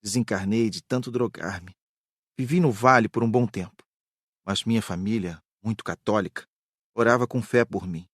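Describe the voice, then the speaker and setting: A man playing a reformed drug addict spirit, confessing his downfall in a measured way for an audiobook. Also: fairly low pitch, no echo, clean studio sound, natural voice. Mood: sober, confessional. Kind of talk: dramatized audiobook dialogue.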